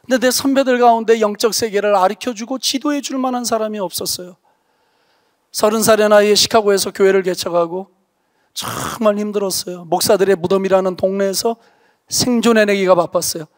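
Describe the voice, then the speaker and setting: Male pastor, high register, dry close sound; earnest testimony-driven revival preaching, sudden hushed emphasis. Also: fairly even intonation, fairly quick, no echo. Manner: earnest, emphatic storytelling, drops to a hush for stress. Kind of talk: revival sermon with personal testimony. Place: church revival meeting.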